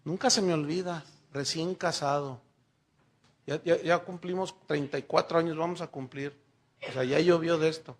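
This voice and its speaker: A middle-aged man, preaching a sermon and telling lively stories while speaking directly to the congregation. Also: fairly high pitch, normal speed. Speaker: pastor.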